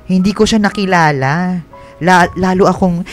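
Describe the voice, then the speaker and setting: A man's voice: sits high, unhurried. A man playing a flamboyant, teasing young gay best friend with a Filipino accent in a radio drama, sassy and theatrical. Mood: giddy, gossipy. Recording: music bed behind the voice.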